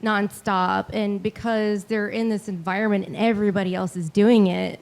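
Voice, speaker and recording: A woman's voice: medium pitch, steady tone, moderate pace, gravelly, darkish tone. A woman in the audience sharing an earnest, heartfelt reflection. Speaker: audience member. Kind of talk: spoken comment from the audience.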